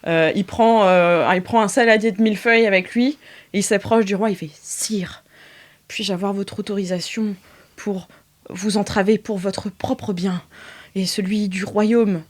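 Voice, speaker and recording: A woman's voice: mid-range voice, fairly even intonation, measured pace. A woman running an improvised tabletop game as game master, narrating casually and hesitantly in a studio. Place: recording studio. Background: music.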